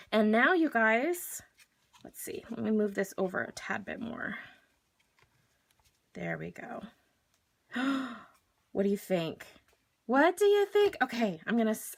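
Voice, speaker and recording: A woman's voice: medium pitch, vocal fry, a bit bright. A woman hosting a live card-making demonstration, chatty and gushing as she talks viewers through each step while working with her hands.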